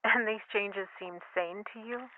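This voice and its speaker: A woman's voice: mid-range voice, measured pace, narrow, tinny audio, natural voice. A woman playing a puzzled, skeptical wife. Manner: questioning, with light laughs.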